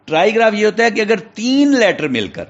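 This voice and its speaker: Male teacher, Pakistani accent, spells words slowly, muffled lo-fi recording. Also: high voice, big pitch swings, vocal fry. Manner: spells words letter by letter, checks in with "theek hai". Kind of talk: classroom lecture. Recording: dull lo-fi recording.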